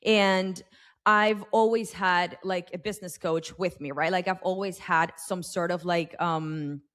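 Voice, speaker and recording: A woman's voice: on the low side, steady tone, a little slow, a bit bright. Chatty woman host, lots of fillers. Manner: rambling, heavy use of fillers. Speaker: podcast host. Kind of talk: casual interview chat.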